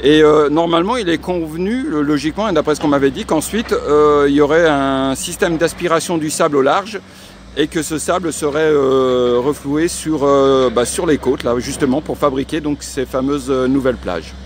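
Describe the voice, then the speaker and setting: A man with a fairly high voice talks through a casual vlog outdoors, pausing often with fillers and restarts. Faint traffic noise sits behind him. The recording is plain outdoor street sound. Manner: hesitant, many fillers and restarts. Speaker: vlogger and expat coach. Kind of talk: casual on-location vlog narration.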